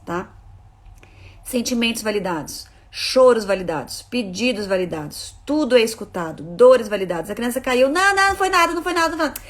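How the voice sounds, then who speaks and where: A woman parenting educator with a husky, mid-range voice gives a live talk to viewers. She speaks straight to her listeners, emphatic and repeating her key phrases.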